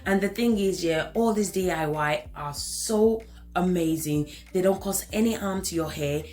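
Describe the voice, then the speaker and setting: A woman's voice: on the low side, moderate pace, a little mellow. A woman in her thirties with an African accent, giving an enthusiastic hair care tutorial voice-over and repeating phrases for emphasis.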